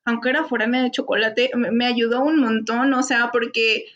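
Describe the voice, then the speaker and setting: A woman's voice: on the high side, normal speed. A woman guest chatting casually on a podcast, with easy fillers. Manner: relaxed, fillers. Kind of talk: casual chat. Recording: dull lo-fi audio.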